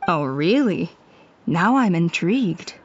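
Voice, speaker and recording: A woman's voice: fairly low pitch, expressive, takes it slowly, muffled recording, slight background noise. A woman playing a composed, authoritative tribal elder in a video game. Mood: curious, commanding.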